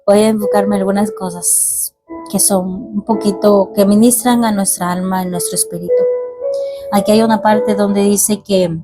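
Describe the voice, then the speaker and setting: A woman reading a Bible passage aloud and then reflecting on it in earnest, halting commentary. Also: medium pitch, steady tone. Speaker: ministry teacher. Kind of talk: reading scripture and preaching. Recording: faint music behind.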